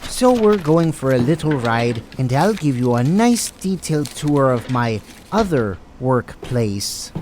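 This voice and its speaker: A man's voice: medium pitch, big pitch swings, unhurried, hardly any pauses, darkish tone, slight background noise. A man playing a gloating, villainous doctor and drug-addicted schemer in an audio drama, talking in a theatrical, smug and menacing way. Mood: coolly threatening. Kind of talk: amateur audio drama acting.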